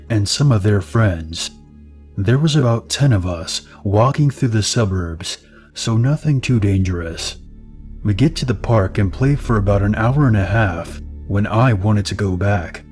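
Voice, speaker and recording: A man calmly narrating reader-submitted true scary stories as the channel's storyteller. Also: on the low side.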